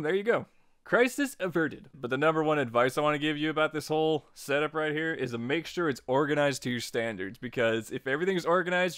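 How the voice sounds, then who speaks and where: A man narrating a casual software tutorial as its host, in an informal, jokey and playfully emphatic way. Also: a little high, no room sound, clean studio sound. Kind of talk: casual tutorial narration over screen recording.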